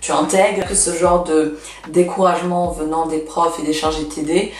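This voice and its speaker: In her twenties and from Russia, this native Russian-speaking woman vlogs casual advice at a moderate pace in a low, slightly mellow voice with little pitch movement. Chatty, frank, and heavy on fillers, she sounds a bit distant in an echoey room with slight background noise.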